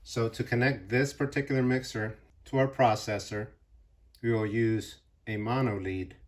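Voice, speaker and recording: A man's voice: medium pitch, steady tone, normal speed. A man presenting a casual hands-on tutorial on equipment, explaining things plainly, step by step. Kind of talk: casual hands-on gear demonstration.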